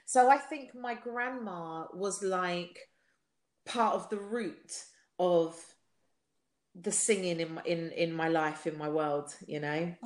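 A woman in her forties, a singer being interviewed, talking in an animated, chatty way with quick laughs and frequent restarts. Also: lowish voice. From United Kingdom. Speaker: guest singer. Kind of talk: casual interview chat. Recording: echoey room.

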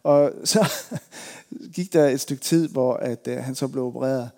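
A man, a pastor preaching a sermon, building emphatic repeated lines and then telling a story in a relaxed way. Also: medium pitch.

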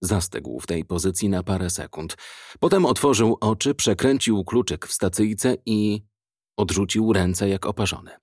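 A male audiobook narrator with a low, husky voice, reading in a measured, dramatic way. The sound is dry and close, with no room echo at all. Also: animated, darkish tone.

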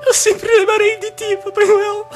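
A woman's voice: very high-pitched, level tone, moderate pace, music in the background. A woman playing an earnest, tender young boy in a melodramatic comedic radio drama, with pleading, formal speech. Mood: distraught, tearful. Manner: melodramatic, formal old-fashioned wording.

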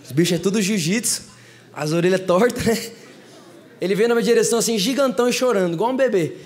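A young man with a Brazilian Portuguese accent preaching a sermon, telling stories in an animated way and talking straight to the congregation. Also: high voice, fast talker. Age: young adult.

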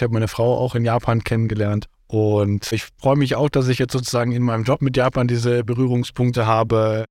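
A man speaks on a podcast panel in a friendly, plain-spoken way. His voice sits at an ordinary mid pitch. The sound is dry and close. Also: a little mellow, no room sound. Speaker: ministry economic officer, panel guest.

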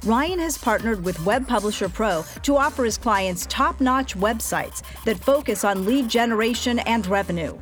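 Higher-voiced woman reading sponsor spots over music. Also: animated, normal speed, few pauses. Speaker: sponsor announcer. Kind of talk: scripted ad narration.

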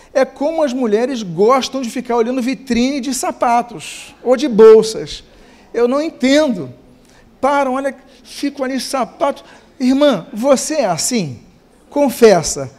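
High-voiced Brazilian pastor preaching. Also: male voice, a little mellow. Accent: Brazilian Portuguese. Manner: humorous, conversational, addresses congregation. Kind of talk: sermon. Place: church.

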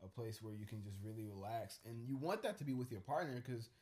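Guy chatting on a podcast, rambly and thoughtful, lots of ums and restarts, middle-pitched voice. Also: fast, darkish tone. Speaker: co-host. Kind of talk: casual podcast chat.

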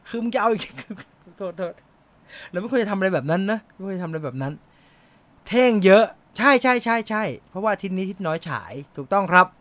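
A man's voice: high-pitched, a little fast, fairly bright tone, dry recording. A man hosting a live movie quiz stream, announcing winners and teasing viewers in casual chat. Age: adult. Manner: playful, teasing, joking asides with laughter.

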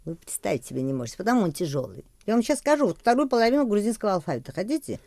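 A Georgian-born woman singer speaks in a radio interview, her voice rising and falling with expressive melody. Her tone is mellow and soft-edged, and she muses as she talks, laughing easily. The studio sound is dry and close. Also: mid-range voice, rapid-fire, no echo. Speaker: singer and songwriter, guest.

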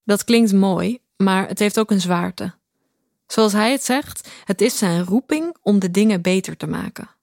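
An actress playing a detached, introspective woman who narrates her own story in a deadpan, reflective way for an audio drama. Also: medium pitch, unhurried, vocal fry, dry recording. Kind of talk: scripted first-person audio drama narration. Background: music.

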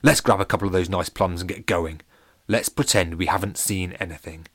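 A man's voice: sits low, brisk, fairly bright tone, no room sound. A man voicing a wary, grumbling male pirate in a storybook reading. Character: gruff grumpy male pirate.

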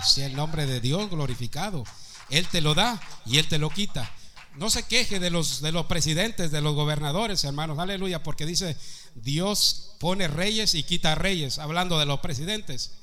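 Preacher guy, bright highish voice, slow, keeps hammering questions at the church. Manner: calls out to the congregation with repeated questions, rising to emphatic peaks. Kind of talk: sermon.

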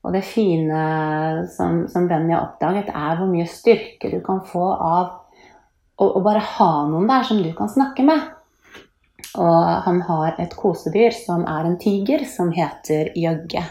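A woman, a children's book author, chats in a lively way about her books and reads from them. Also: on the low side. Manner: lively, chatty, with little laughs. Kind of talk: presenting and reading her books. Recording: echoey room.

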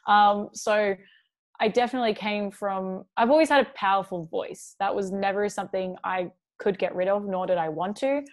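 A woman's voice: medium pitch, steady tone, normal speed. A young adult woman, a singer, chatting casually in an interview, full of fillers and quoting herself.

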